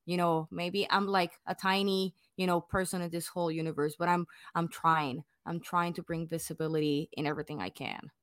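A woman's voice: lowish voice, steady tone, brisk, few pauses, a bit bright, no room sound, clean studio sound. A young woman from Puerto Rico with a Puerto Rican accent, Spanish her first language, talking casually and animatedly in an interview with many restarts. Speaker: guest.

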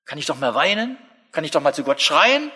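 A middle-aged man preaches with a bright, animated delivery and a fairly high voice. He jokes and turns straight to his listeners. His words ring out with the long reverb of a church hall. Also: brisk, husky. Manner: lively, humorous, direct address to listeners. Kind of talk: sermon.

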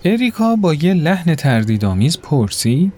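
A man narrating a story in an expressive, acted-out way. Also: on the high side. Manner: expressive, voices characters.

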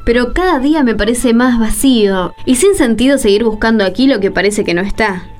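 A woman with an Argentine accent acting a worried, gentle grown farm daughter in a radio drama, earnest and conciliatory. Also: a little high, lively intonation, a little fast, natural voice. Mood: disheartened.

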